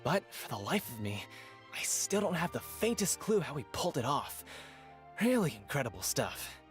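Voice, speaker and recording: Animated, chatty townsman. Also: a little high, normal speed, soft background music. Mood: admiring. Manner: emphatic, theatrical. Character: chatty townsman, indignant and boastful gossip. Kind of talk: video game voice acting.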